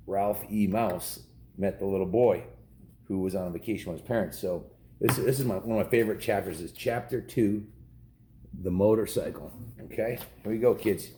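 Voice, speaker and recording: A man's voice: lowish voice, dark tone, a little hiss or hum. A middle-aged American man talking casually and reading aloud as a dad hosting a story video for kids. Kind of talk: casual home vlog chat and read-aloud storybook narration.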